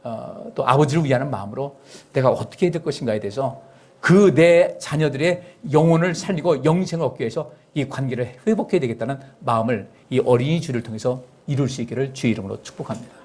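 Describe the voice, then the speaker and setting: A middle-aged male pastor delivering a sermon. His voice is slightly husky and sits at an ordinary pitch. He drops to soft asides, then jumps up high and loud, and coaxes gently when he voices a parent. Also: fast. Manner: animated preaching that swings between soft asides and sudden raised, high outbursts; acts out parents' and children's lines in a gentle coaxing tone.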